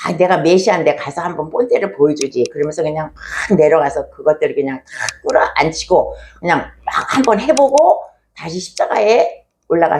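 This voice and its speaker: A woman's voice: low voice, darkish tone, a little hiss or hum. Conversational woman pastor preaching. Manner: storytelling, conversational, asks rhetorical questions. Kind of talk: sermon.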